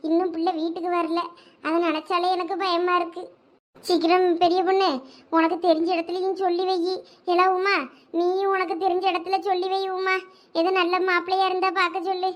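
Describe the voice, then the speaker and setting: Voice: very high voice, fairly bright tone. A voice actor playing a worried middle-aged village mother in a cartoon, lamenting in a Thoothukudi accent. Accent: Thoothukudi Tamil.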